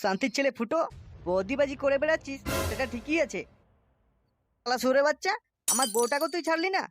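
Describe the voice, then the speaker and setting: Guy doing a jealous cartoon husband from bengal, west bengal accent, really high voice, talks fast, blustery and crude. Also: animated, music in the background. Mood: shocked, angry. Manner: blustering, coarse, threatening. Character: hot-headed, jealous, foul-mouthed village husband. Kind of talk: comic cartoon voice acting.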